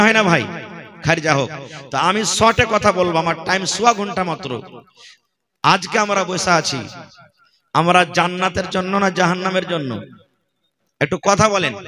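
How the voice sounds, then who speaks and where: A man preaches in regional Bengali from Purnia, Bihar. His voice is bright and forceful, set a little high. He keeps throwing questions out to the crowd as he goes. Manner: fires rhetorical questions at the crowd. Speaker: Islamic preacher. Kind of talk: sermon at a religious gathering.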